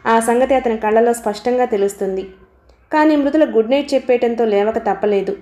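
A woman reads a novel aloud as an audiobook narrator, steady and even. Her voice is mellow and sits fairly high. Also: a little fast, reverberant. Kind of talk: novel reading.

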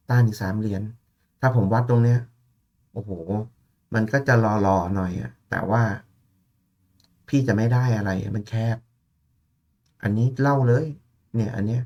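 A man's voice: mid-range voice, a little mellow, highs cut off. Chatty man talking through trading charts. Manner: chatty, calls listeners "พี่" and "น้อง", thinks aloud. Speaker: gold market analyst. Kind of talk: casual chart analysis talk.

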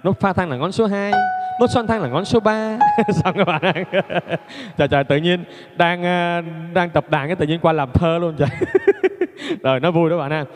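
Over loud piano music and long reverb, a male piano teacher with a slightly high voice talks a little fast. His lesson is casual and chatty, full of jokes and self-directed laughter between fingering steps.

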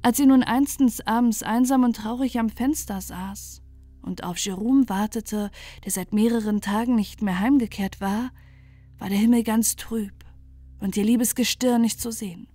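A woman calmly narrating a fairy tale for falling asleep, in a gentle, soothing manner. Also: a little high, normal speed, no echo, faint music behind. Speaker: storyteller.

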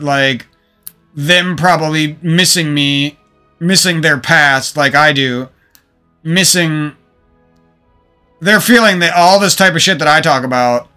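A gaming streamer vents to his viewers about past relationships from a room at home, speaking into a desk mic in a rambling, profane way with many restarts. His fairly high voice is sharp and clean in tone.

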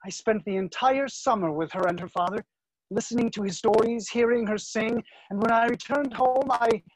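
A man's voice: very high voice, moderate pace, no room sound, low-quality recording. An actor in his thirties playing an earnest, lovestruck younger brother, romantic and defiant, in a staged play reading. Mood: wistful. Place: room at home, video call.

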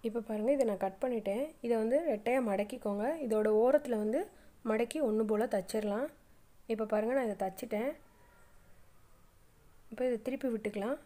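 A woman talks through a sewing tutorial in a voice-over, step by step. Her voice sits a little high, and she walks through each step in a plain, patient way, with frequent fillers. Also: a little fast, pauses often, mellow. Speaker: craft channel host.

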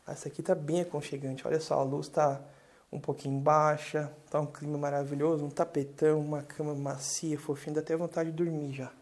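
A man's voice: fairly high pitch, a little mellow. A man, a real estate agent giving a chatty, enthusiastic house tour, speaking to the viewers from inside the home. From southern Brazil. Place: large furnished house, indoors.

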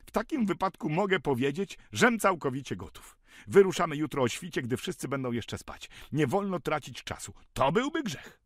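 A man voicing an excitable, dreamy male villager who talks eagerly and grandly of a great journey. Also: fairly high pitch, moderate pace, no room sound, clean studio sound, voice pushed up. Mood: excited. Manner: eager, grandiose, raising his voice.

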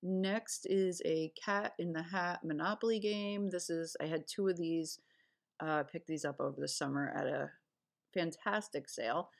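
A woman's voice: on the low side, a little slow, creaky. A woman reseller casually recapping her recent sales over a screen recording, chatty and rambling with fillers and self-corrections. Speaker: online reseller.

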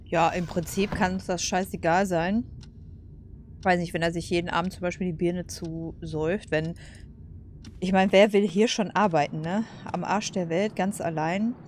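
A woman's voice: on the low side, steady tone, moderate pace, a little hiss or hum. A woman commenting casually on a game, blunt and colloquial, thinking aloud as she plays. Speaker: let's play host. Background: video game ambience.

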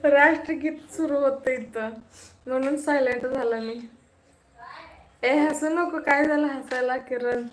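High, slow Marathi-accented woman livestreaming. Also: steady tone. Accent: Solapur Marathi. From Maharashtra, India. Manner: chatty, teasing, talks straight to viewers. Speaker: livestream host. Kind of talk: casual live chat reading comments.

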